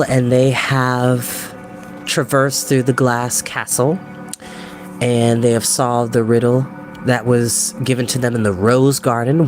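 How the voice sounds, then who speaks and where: An expressive, theatrical storytelling host who reads books aloud and chats casually in between. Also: medium pitch, background noise. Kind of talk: animated storybook reading with chatty asides. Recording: background ambient music. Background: ambient music.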